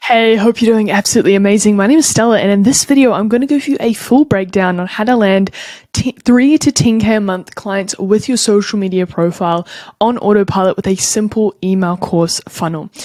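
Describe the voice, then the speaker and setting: In a New Zealand accent, the voice carries a dark, mellow tone, moving at a fairly quick pace with ordinary pitch variation. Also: woman, medium pitch for a woman. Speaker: marketing agency owner. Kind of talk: tutorial. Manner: fast.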